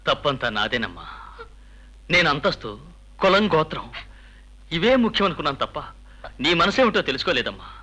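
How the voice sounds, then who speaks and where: An actor playing a remorseful older father who blames himself in a dubbed film, with a husky voice. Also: on the high side, very animated, a little fast, long pauses, pushed and bright, exaggerated voice, poor audio. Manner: grieving, remorseful. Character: remorseful older father, broken and self-blaming.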